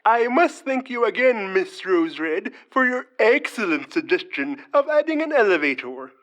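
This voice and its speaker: A woman's voice: medium pitch, very animated, normal speed, fairly bright tone. A woman playing a polished, self-satisfied fixer of royal scandals in an audio fantasy comedy. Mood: smug. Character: smooth, scheming fixer who cleans up royal scandals. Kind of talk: audio fiction comedy acting.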